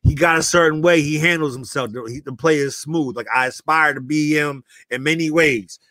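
Animated high-voiced man joking on a podcast. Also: normal speed, dry recording, clean studio sound. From northern US. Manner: animated, joking, loud bursts and laughs. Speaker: co-host. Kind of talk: casual podcast chat.

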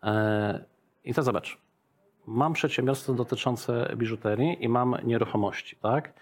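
A middle-aged business owner, appearing as an interview guest, explains his ideas through examples in a casual business conversation. His medium-pitched voice is unhurried and chatty, and he keeps tacking a questioning "tak?" onto his points.

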